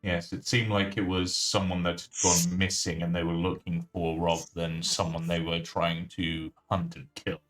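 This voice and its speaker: A man at a tabletop roleplaying game, speaking in character in a measured, thoughtful, slightly formal way. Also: low-pitched, flat delivery, a bit bright, faint music behind, poor audio. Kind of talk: in-character improvised discussion.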